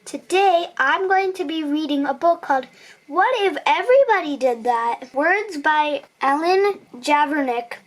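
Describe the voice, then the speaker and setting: A woman's voice: high voice, animated, measured pace. A young girl reading a picture book aloud, acting out the quoted lines and sometimes stumbling over words. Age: child. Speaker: reader on a family video channel.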